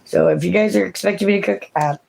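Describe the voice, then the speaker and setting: A woman raised in Oregon in a casual family chat, relaxed and giggly. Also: mid-range voice, fast, gravelly, over a noisy crowd, rough recording. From born in Washington, raised in Oregon. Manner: relaxed, giggly, a bit tipsy.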